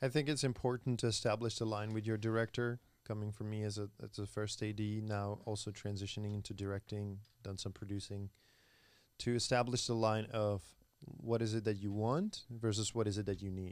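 The delivery is fairly quick, with monotone, flat intonation. The sound is dry, with no echo. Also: man, fairly low pitch for a man. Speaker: podcast host. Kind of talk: casual interview chat. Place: studio. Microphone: studio mic.

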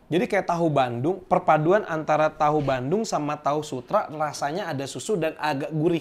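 Speaking with a Javanese accent, a man with a fairly high pitch talks at a fairly quick pace with hardly any pauses. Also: ordinary pitch variation. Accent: Javanese medok, from Jogja years. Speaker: infotainment TV host. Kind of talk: casual chat. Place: studio. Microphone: lapel.

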